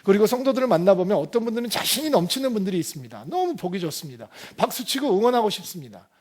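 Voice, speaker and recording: A man's voice: sits high, sing-song, racing, darkish tone. A male pastor preaching a sermon, asking the congregation pointed rhetorical questions with emphatic delivery.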